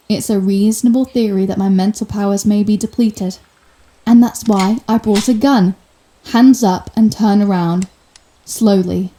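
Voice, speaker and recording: Mellow, sardonic female telepathic villain, acted by a woman. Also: medium pitch, lightly acted. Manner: taunting, theatrical, sarcastic. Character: sardonic female telepathic supervillain, menacing yet secretly compassionate. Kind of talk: ASMR roleplay audio drama.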